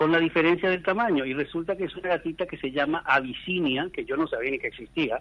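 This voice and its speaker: At a very fast pace, a man talks at a high pitch with ordinary pitch variation. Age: 60s. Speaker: broadcaster. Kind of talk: interview.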